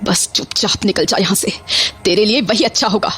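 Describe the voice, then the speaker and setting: A woman's voice: medium pitch, normal speed, a bit bright, breathy edge, faint music behind. A woman voicing a middle-aged mother who is caring at home but cold and commanding toward her son, in a horror audio drama. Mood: furious. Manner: stern, cutting, commanding.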